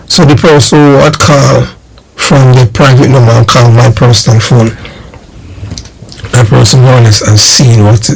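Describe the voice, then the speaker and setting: A man with a Jamaican accent delivering political commentary straight to his audience, emphatic and deliberate in his phrasing. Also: medium pitch, vocal fry, husky, low-quality recording. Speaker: online channel host and commentator.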